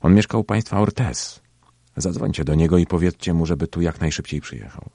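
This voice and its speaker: A man's voice: low voice, brisk, creaky, warm tone, dry recording, studio quality. A man voicing a suspicious middle-aged police lieutenant in an audiobook story, asking curt, demanding questions.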